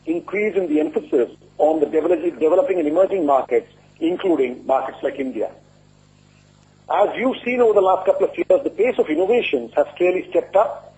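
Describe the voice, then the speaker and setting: Guy doing an earnings call presentation, soft mellow tone, bit high, measured and formal, lo-fi call audio. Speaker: company executive presenting results. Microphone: conference call line. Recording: muffled lo-fi conference call audio.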